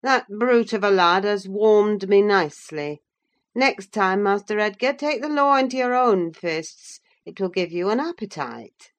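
A woman reading an audiobook, voicing an angry, bullying young man who shouts scornful threats. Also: medium pitch, animated, a little slow, pitched above the performer's own voice. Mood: gruff.

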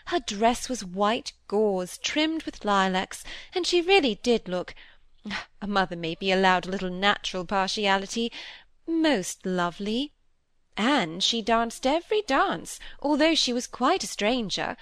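A woman's voice: medium pitch, very animated, fairly bright tone, no echo, clean studio sound. A woman reading aloud and voicing a vain, chattering middle-aged stepmother who gushes and fusses. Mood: gushing. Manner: gushing, fussy, quick to dismiss. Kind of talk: audiobook character voice.

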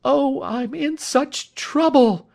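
A man voicing a frightened, tearful woman visitor who pleads for help, in a high, strained voice. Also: takes it slowly, gravelly, a little mellow, full character voice. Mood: distressed. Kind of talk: audiobook character voice.

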